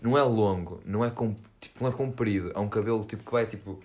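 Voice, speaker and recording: Low-voiced young man, slangy. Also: fast talker, a little mellow. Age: young adult. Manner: slangy, informal. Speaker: podcast co-host. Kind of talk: casual chat.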